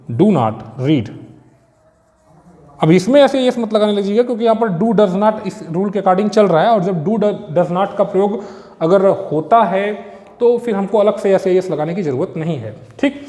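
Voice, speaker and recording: High-voiced male teacher, reverberant room. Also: mellow. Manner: explains step by step, often checks with "ठीक है?"; slows down to spell out example sentences word by word. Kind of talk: exam-prep grammar lesson.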